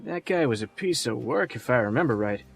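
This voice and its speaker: An actor playing an easygoing, slightly fumbling junior detective in an audio drama, speaking casually and hesitantly. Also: male voice, medium pitch, animated, brisk, gravelly, soft background music.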